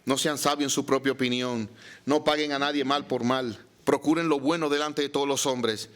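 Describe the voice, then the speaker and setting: A pastor preaching a sermon, reading scripture and asking the congregation rhetorical questions. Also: male voice, medium pitch, fairly even intonation, normal speed, fairly bright tone.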